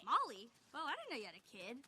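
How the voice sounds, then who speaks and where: A woman playing a tiny, brash, excitable toy police officer in an animated film, peppy, cheeky and blunt. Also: on the high side, quick pace, slight background noise, full character voice. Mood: blunt, teasing.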